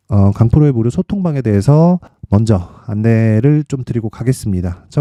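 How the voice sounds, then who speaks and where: A man hosting an informal stock market commentary, emphatic and full of rhetorical questions and tag questions as he pitches his picks. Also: dark tone, no echo. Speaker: stock trading channel host.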